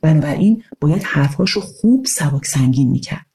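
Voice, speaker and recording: A woman narrating a children's audiobook in a calm, even storytelling manner over guitar music. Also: sits low, breathy edge.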